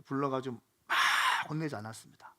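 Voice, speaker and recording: A middle-aged man preaching a sermon as pastor, moving between slow, pleading passages and loud, fervent exhortation. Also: medium pitch.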